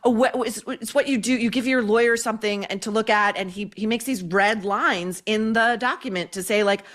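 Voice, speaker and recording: A woman's voice: a little high, a little fast, a bit bright. A woman giving opinionated commentary in a sarcastic, profane manner.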